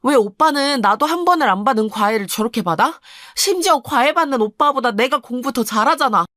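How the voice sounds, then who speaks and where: A woman's voice: sits high, animated, a little fast, a bit bright, no echo, studio quality. A woman voicing an aggrieved teenage daughter who complains and pleads, story reading. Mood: indignant.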